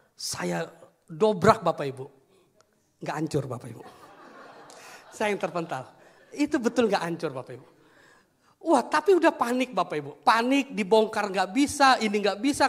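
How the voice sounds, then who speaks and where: A man in his thirties preaching a sermon, telling a story with animated acted-out voices. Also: high-pitched. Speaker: pastor. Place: church hall. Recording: long hall reverb.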